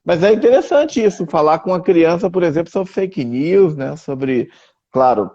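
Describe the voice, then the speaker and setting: A man's voice: on the high side, expressive, moderate pace, mellow, dull audio. A man hosting a casual live-stream interview, giving short encouraging replies. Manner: brief encouraging replies, laughs along. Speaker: host.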